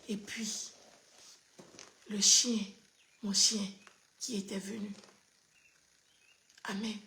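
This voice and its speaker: A woman pastor delivers a personal sermon in an echoey room. She shifts from hushed, confiding tones to excited, high exclamations, repeating phrases for emphasis.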